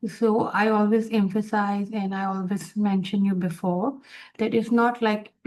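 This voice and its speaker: Casting: female instructor, native Urdu speaker with South Asian accent, explaining study tips informally, encouraging and repetitive, mid-range pitch. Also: fairly even intonation, measured pace, a little mellow, poor audio. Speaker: exam review instructor for nursing students.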